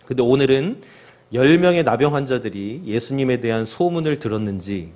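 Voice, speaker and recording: A male pastor preaching a sermon, often asking the congregation questions and loudly acting out the cries of the sick. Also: mid-range voice, lively intonation, brisk. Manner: asks the congregation rhetorical questions and acts out the lepers' cries.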